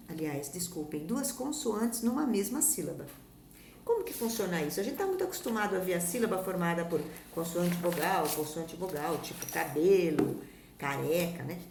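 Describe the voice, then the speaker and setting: A patient Brazilian woman teaches a children's lesson, drawing key words out slowly and checking in with her class. Her voice sits low and has a gravelly edge. She is recorded in an echoey room with a faint hum behind her. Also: mellow. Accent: Brazilian Portuguese. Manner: patient, slow and drawn out on example words, checking in with pupils. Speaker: primary school teacher.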